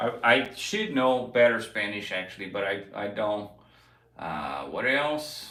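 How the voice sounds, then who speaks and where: A man with a Portuguese accent, fairly low in pitch, fairly slow, with lively intonation, amid noticeable background noise and audible room echo. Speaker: guitarist and guitar teacher. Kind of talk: live stream Q&A and guitar tutorial. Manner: casual, with many fillers.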